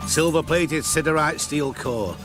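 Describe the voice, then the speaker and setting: An actor playing a seasoned male sword merchant in a game scene, giving a matter-of-fact sales pitch for his blade. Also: slow pace. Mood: businesslike. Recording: game scene with music behind.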